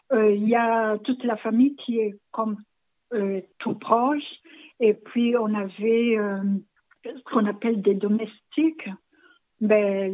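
A woman in her fifties from Rwanda, answering interview questions softly and hesitantly, with many pauses. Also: mid-range voice. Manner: soft-spoken, hesitant with frequent pauses. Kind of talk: personal interview. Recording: narrow phone-like audio.

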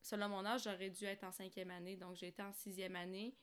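Woman from algeria just chatting on a podcast, really bright smooth voice. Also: mid-range voice, little pitch movement, fast. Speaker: podcast guest. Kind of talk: casual conversational storytelling.

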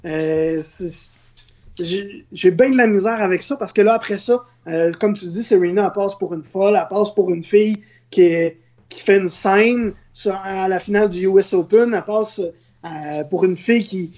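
A woman with a Quebec French accent gives her take in a relaxed back-and-forth. Her voice sits at a middle pitch on a dull, lo-fi recording, and she makes her case point by point with emphasis. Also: normal speed. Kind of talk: casual opinionated discussion. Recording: dull, muffled lo-fi sound.

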